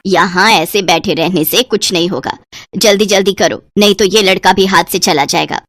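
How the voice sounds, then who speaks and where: A woman's voice: fairly low pitch, normal speed, a bit bright, no room sound, clean studio sound, voice pushed down. Woman doing a harsh, taunting cartoon mother. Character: harsh scornful mother of two daughters.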